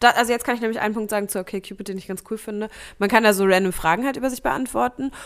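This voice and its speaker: In a very clean recording with a silent background, a woman talks at a very fast pace with fairly high pitch and ordinary pitch variation. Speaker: podcast co-host. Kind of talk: casual chat. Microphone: sharing one mic, may be quiet.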